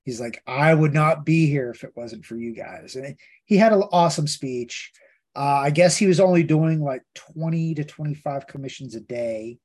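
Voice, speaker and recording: A man's voice: fairly high pitch, moderate pace, a little mellow. A man co-hosting a casual comics podcast, telling convention stories with lots of asides and quoted dialogue. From Pittsburgh. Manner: chatty, storytelling with many asides and quoted voices. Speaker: podcast co-host. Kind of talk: casual chat.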